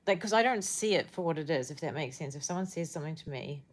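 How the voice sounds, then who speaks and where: A woman's voice: deep voice, expressive, fast talker, slight background noise. A young woman with a New Zealand accent chatting casually with viewers on a livestream, rambling and often searching for words.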